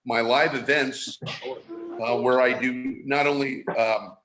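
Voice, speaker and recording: A man's voice: medium pitch, fairly even intonation, slow pace, background noise. A middle-aged man from San Francisco hosting a live online show, talking casually with many restarts and fillers. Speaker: show host. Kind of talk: casual live-stream talk.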